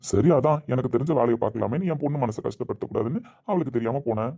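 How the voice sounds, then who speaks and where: A man's voice: medium pitch, animated, quick pace, creaky, dark tone. A man speaking dramatic dialogue in an earnest, tender way. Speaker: actor in a family drama.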